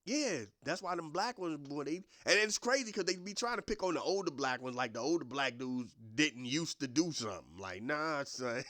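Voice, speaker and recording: Man, podcast host, comic storytelling, lively pitch, dry close sound. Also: moderate pace, no room sound. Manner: animated, jumps into voices and quotes. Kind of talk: comedic storytelling monologue.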